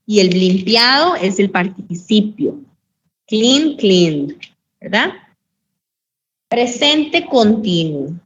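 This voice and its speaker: A woman teaching an English grammar lesson in an online class, patiently repeating examples and saying English phrases slowly and carefully. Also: medium pitch, animated. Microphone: computer mic on a video call. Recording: dull lo-fi call audio, faint noise.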